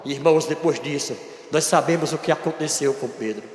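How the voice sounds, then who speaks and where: A man with a Brazilian Portuguese accent preaching a sermon as a church elder, earnest and emphatic, with loud stressed phrases and softer dramatic drops. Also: fairly high pitch, a little fast. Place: church hall. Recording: echoey church hall with long reverb.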